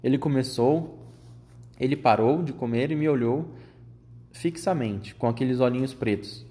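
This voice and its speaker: A man's voice: medium pitch, normal speed, mellow. Man reading a storybook aloud.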